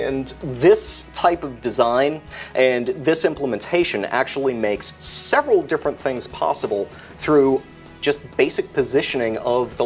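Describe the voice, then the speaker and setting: A man gives a technical tutorial with very varied, animated intonation. He explains things methodically and articulately as a product expert, over faint music. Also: mid-range voice.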